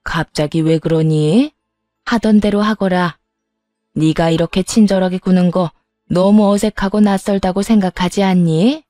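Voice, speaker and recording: A stern older mother-in-law, played by a woman, lectures in firm, old-fashioned speech. Her voice sits low and mellow. The sound is dry and close. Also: steady tone, normal speed, no echo, soft background music, natural voice.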